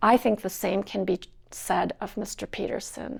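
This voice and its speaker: With vocal fry, a woman of medium pitch speaks at a moderate pace with fairly even intonation, captured in a very clean recording with a silent background. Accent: American. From Minnesota. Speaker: physician. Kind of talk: award speech. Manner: formal.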